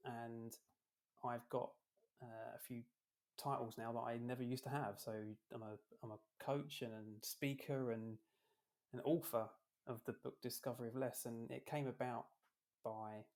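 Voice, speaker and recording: A man's voice: medium pitch, fairly even intonation, measured pace, a little mellow. A British man from London, a podcast guest and author, talking casually with frequent ums and restarts. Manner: hesitant, with many ums and restarts, joking. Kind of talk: casual interview talk.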